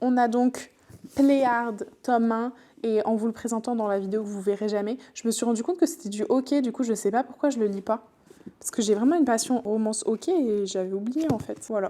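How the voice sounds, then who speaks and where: Her dark, mellow voice sits fairly high for a woman, moving at a fairly quick pace with ordinary pitch variation. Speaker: book YouTuber. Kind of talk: casual video monologue. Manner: casual, hesitant with many fillers.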